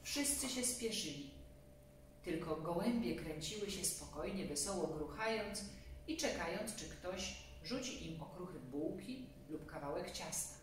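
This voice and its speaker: A woman's voice: on the low side, animated, measured pace. A woman in her forties reading a children's storybook aloud in a narrator's style. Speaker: storybook reader. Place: small room at home, seated on a sofa. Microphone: distant camera microphone. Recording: very echoey room, distant mic, faint hum.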